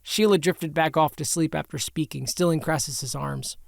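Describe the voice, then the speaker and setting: A man reading his own comic audiobook in an even, matter-of-fact way. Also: fairly high pitch, moderate pace, creaky, no room sound, clean studio sound. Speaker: author and audiobook narrator. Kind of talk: scripted audiobook narration.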